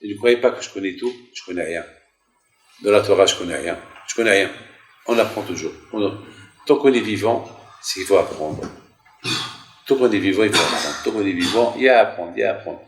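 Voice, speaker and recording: A man's voice: fairly low pitch, fairly quick, pauses often. A man in his sixties, a rabbi telling a story in a sermon, repeating phrases for emphasis in a yeshiva hall. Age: 60s. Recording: roomy echoing hall.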